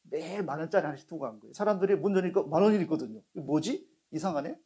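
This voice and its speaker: A man's voice: on the high side, expressive, rapid-fire, warm tone, husky. A middle-aged man preaching a sermon as a pastor, telling stories and putting questions to the congregation. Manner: storytelling with acted quotes, asks the congregation questions.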